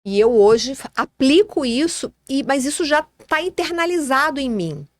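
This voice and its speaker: A woman's voice: sits high, sing-song, moderate pace, no room sound, clean studio sound. A woman co-hosting a casual podcast, explaining ideas in a reflective way and often restarting her phrases. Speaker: podcast co-host.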